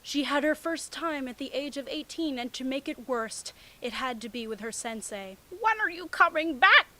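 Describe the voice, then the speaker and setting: A woman's voice: high voice, steady tone, normal speed. A woman reading fan fiction aloud and breaking in with sarcastic, exasperated commentary. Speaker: online comedy commentator. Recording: amateur home recording with background static.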